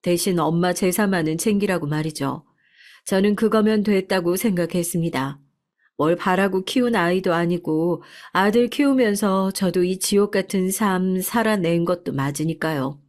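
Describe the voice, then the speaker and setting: A woman narrating a first-person life story in a calm, reflective, scripted manner. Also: lowish voice, moderate pace.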